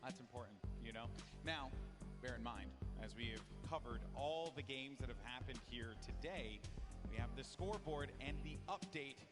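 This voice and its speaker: A man's voice: medium pitch, expressive, normal speed, loud music behind the voice. A man hosting a live esports event from the desk, chatty and laughing, with plenty of fillers.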